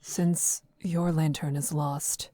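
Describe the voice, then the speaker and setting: A calm, reserved traveler in a story game. She sounds reassuring, with a low, dark and relaxed voice. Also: slow. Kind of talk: visual novel voice acting.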